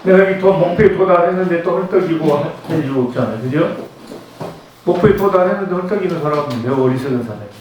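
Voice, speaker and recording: A man's voice: fairly high pitch, expressive, lo-fi sound, noisy background. Older man lecturing in an echoey room. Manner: conversational, leads slow chanting. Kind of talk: Buddhist lecture. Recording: very echoey room, distant mic.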